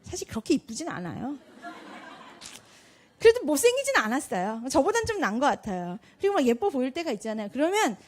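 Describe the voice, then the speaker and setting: A woman giving a lively parenting talk to an audience. She asks the audience questions, answers them herself, and acts out what parents and kids say in quick little voices. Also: sits high. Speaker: parenting speaker.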